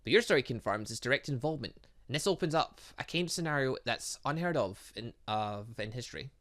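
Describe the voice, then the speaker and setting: A man voicing a formal, polite older male scientist from a visual novel, explaining things in a halting, measured way. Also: mid-range voice, expressive, fairly bright tone, lightly acted. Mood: measured, intrigued. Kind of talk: reading visual novel dialogue.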